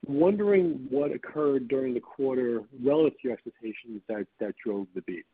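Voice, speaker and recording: Husky male analyst on a phone line. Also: medium pitch, brisk. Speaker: financial analyst asking questions. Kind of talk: earnings call questioning. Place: conference call. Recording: thin phone-line audio.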